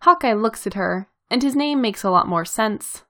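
Woman calmly reading a story. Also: on the high side, normal speed. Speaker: reader. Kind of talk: fan fiction read aloud.

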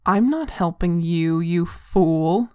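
A woman's voice: fairly low pitch, fairly even intonation, a little slow, no room sound, clean studio sound. A woman voicing a sneering, vengeful male demon in an audio story, scornful and commanding. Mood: sneering, bitter.

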